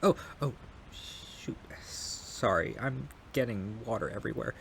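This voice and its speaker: A man's voice: medium pitch, expressive, measured pace, vocal fry, a little hiss or hum. A man playing a shy, polite and kind young male neighbor in an intimate ASMR roleplay, speaking hesitantly and apologetically, with stammers. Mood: apologetic, polite.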